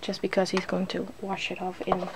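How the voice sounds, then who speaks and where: A woman's voice: lowish voice, monotone, normal speed. Casual female ASMR host over noticeable noise. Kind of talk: ASMR, casual chat while doing makeup.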